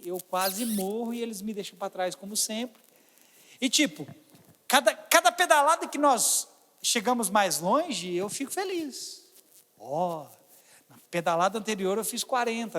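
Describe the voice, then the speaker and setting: A man with a Brazilian Portuguese accent preaching a sermon as pastor, swinging between loud exclamations and quiet asides. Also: high-pitched, long reverb tail.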